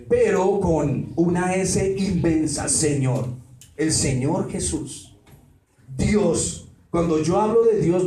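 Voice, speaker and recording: A man's voice: on the high side, mellow. A man, a pastor preaching a sermon and putting rhetorical questions to the congregation. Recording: roomy hall, mic at a distance, faint noise.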